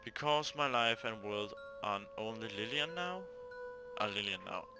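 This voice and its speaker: A man's voice: fairly low pitch, lively intonation, measured pace, music in the background. A man voicing a devoted, enslaved knight serving his princess, reading visual novel dialogue in a solemn, adoring way.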